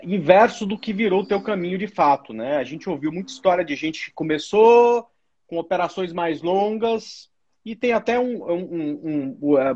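Husky-voiced man hosting a chat. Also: sits high, darkish tone, lo-fi sound. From Brazil. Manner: friendly, chatty, lots of filler tags. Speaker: live stream host. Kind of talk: casual interview chat.

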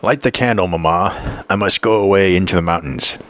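A man voicing a quiet, tired young man who speaks in a subdued monotone in an audiobook reading. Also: deep voice, fairly quick.

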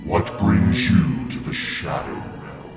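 A man's voice: very deep voice, very animated, slow pace, gravelly, exaggerated voice. A man voicing an evil male ghost train engine in a fan audio drama, with theatrical villain threats. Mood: sinister. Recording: echoey room with loud music.

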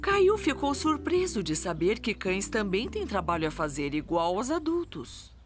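A woman with a Brazilian accent playing a gentle narrator of a children's cartoon story. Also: mid-range voice, big pitch swings, normal speed, close to an everyday voice. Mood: gentle, storytelling. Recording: music behind the voice.

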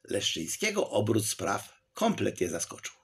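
A man reading a historical novel aloud as narrator, in a lively storytelling manner. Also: lowish voice, measured pace, slightly rough. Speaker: audiobook narrator.

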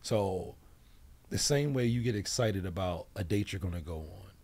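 A man's voice: low voice, animated, normal speed, a little mellow. A man in his forties, a podcast guest talking frankly and with animation in casual chat. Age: 40s.

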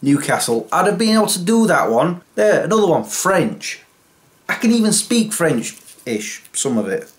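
An animated man, chatting to camera from a small home office. He pokes fun at himself as he talks. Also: on the high side, normal speed. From England. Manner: self-mocking, animated, waves hands while talking. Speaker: YouTuber. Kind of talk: casual vlog chat to camera.

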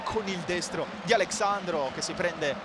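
A man's voice: high-pitched, moderate pace. A man with an Italian accent giving live football match commentary. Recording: commentary over stadium noise.

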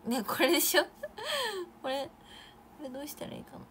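Chatting casually on her live stream, a young Japanese idol reacts to viewer comments with excited outbursts and soft side remarks. Her high-pitched voice moves at a moderate pace over slight background noise.

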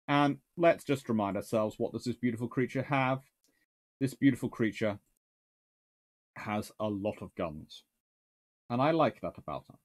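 Speaking at normal speed with long pauses, this man has a medium-pitched voice. He's a naval historian in a relaxed live Q&A from his small home study full of books, wandering through answers and correcting himself as he thinks.

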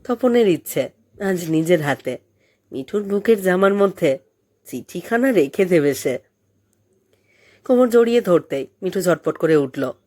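Female audiobook storyteller, expressive scripted fiction narration with a soft-edged, mellow tone. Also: fairly low pitch, measured pace, long pauses.

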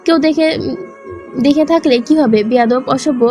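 A woman reading as a feisty young heroine in a storybook romance, quick to scold and easily flustered. The voice sits high and bright, with faint music underneath. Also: close to an everyday voice. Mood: indignant. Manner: scolding and indignant. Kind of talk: audiobook reading of a romance novel.

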